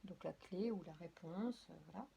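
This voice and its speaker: A tarot and oracle card reader gives a casual spoken reading straight to her viewers, hesitating with many fillers, restarts and apologies. Her voice is fairly low, creaky and dark at a moderate pace, on dull audio with slight background noise.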